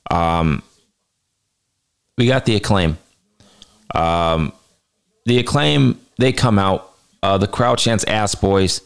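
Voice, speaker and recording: A man with a low, smooth voice hosts a wrestling review. He gives commentary in a casual, conversational way, walking through the action and adding his own opinions. His delivery is clean and resonant. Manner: conversational match-by-match recapping with personal opinions. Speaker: wrestling show reviewer and host.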